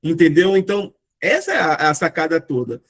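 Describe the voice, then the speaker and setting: A man's voice: a little high, big pitch swings, fairly quick, fairly bright tone. Brazilian man explaining philosophy. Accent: Brazilian Portuguese. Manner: explanatory, rhetorical questions, frequent "né". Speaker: discussion group host. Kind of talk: casual philosophy discussion.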